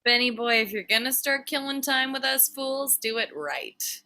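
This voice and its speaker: A woman's voice: high-pitched, lively intonation, moderate pace, sharp tone, full character voice. A woman reading a wisecracking young boy with teasing, drawling delivery in a screenplay table read. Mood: mocking, cheeky.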